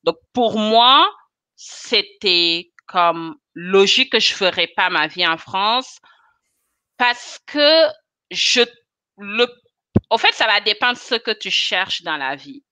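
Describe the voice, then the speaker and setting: A woman's voice: medium pitch, animated, slow, bright, forceful tone, clean tone, no room sound. A woman in her thirties, a chemist and cosmetics consultant, talking animatedly as a guest on a video call interview and laughing often. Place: small room indoors. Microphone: webcam on a video call.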